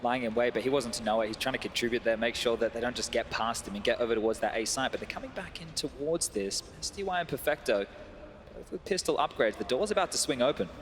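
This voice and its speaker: A man's voice: mid-range voice, fast talker. A man working as an esports caster, giving live match commentary and analysis in a conversational, reactive way. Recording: noisy game audio behind voice. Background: game sounds.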